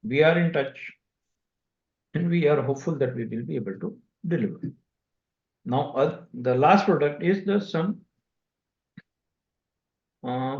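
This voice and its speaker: A man with an Indian accent answering investors as a company executive on a conference call, speaking haltingly with pauses mid-sentence. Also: mid-range voice, animated. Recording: dull, echoey conference call audio.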